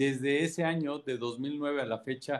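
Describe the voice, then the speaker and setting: A man with a plain, everyday voice, pitched fairly high. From Mexico City. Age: 40s. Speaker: political candidate, lawyer. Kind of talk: interview.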